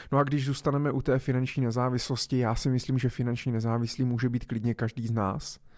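Very fast and with hardly any pauses, a man speaks at a medium pitch in a monotone, flat intonation and very even loudness. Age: 30s. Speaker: financial advisor. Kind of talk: podcast monologue.

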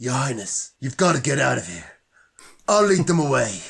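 Putting on a character voice, a man speaks at a moderate pace with a medium pitch. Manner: noble, heroic.

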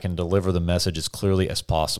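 Very clean audio captures a male voice over a silent background. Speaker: pastor. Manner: fast talker; instructional.

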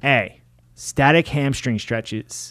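A man's medium-pitched voice at a very slow pace against a quiet background. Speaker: podcast co-host, personal trainer. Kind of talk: casual chat, quiz host.

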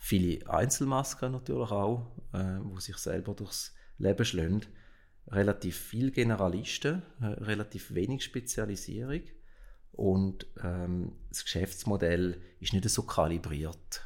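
Over a very clean recording with a silent background, a man speaks very slowly at a fairly low pitch with ordinary pitch variation. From eastern Switzerland, St. Gallen. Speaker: lawyer. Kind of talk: interview. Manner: hesitant, many filler sounds.

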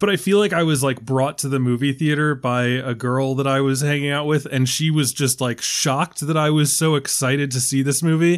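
A man with a plain, everyday voice talks at a fairly quick pace, pitched fairly high, with fairly even intonation, hardly any pauses and very even loudness. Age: 30s. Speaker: film podcast host. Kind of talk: casual chat.

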